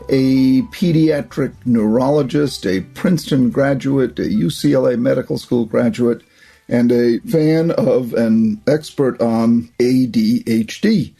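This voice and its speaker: Warm-toned older male podcast host. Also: medium pitch, gravelly, husky. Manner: enthusiastic, effusive introductions. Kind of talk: podcast interview.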